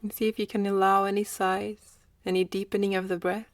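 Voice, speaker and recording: A woman leading a guided meditation in a slow, gentle manner with long pauses. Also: mid-range voice, flat delivery, no room sound.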